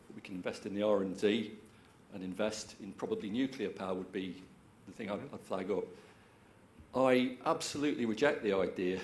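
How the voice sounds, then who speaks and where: Deep-ish guy making a calm point, echoey room, faint background hum. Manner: measured, reasoned. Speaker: audience member. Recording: roomy echo, faint ambience.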